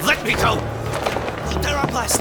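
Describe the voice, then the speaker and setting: An actor playing a nervous, earnest research assistant turned defiant whistleblower, speaking hesitantly as a trial witness. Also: male voice, extremely high pitch, a little slow. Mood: desperate, defiant. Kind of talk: audio drama testimony. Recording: echoing hall with music behind.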